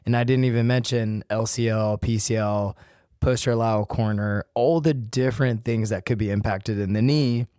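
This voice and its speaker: Male podcast host, low voice, slightly hoarse, chatty and direct, dry close sound. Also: fairly even intonation, moderate pace, dark tone, dry recording. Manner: conversational, addresses listeners directly. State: voice worn from illness, slightly hoarse. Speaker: podcast host and physical therapist. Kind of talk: solo podcast talk.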